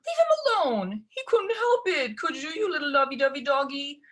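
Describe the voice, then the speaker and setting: A woman voicing a spoiled, whiny young stepsister in a storybook reading, pouting and shrill. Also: very animated, moderate pace, a bit bright.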